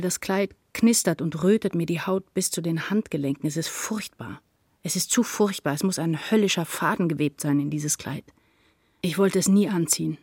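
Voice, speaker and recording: In a literary radio drama, an actress plays an anguished, brooding woman writer, speaking in an introspective, measured way. Her voice is fairly low and husky, recorded dry with clean studio sound.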